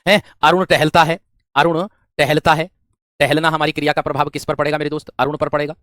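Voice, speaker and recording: This is a man teaching a grammar class for exam candidates. He keeps asking questions and answering them himself, and he often repeats phrases. His voice sits somewhat high and is recorded dry and close. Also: little pitch movement, fairly quick, fairly bright tone, no echo. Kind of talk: exam-prep grammar lesson.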